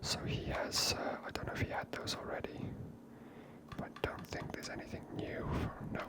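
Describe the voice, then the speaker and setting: A man giving whispered ASMR gameplay commentary close to the microphone, unhurriedly thinking aloud. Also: moderate pace. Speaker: ASMR gaming host.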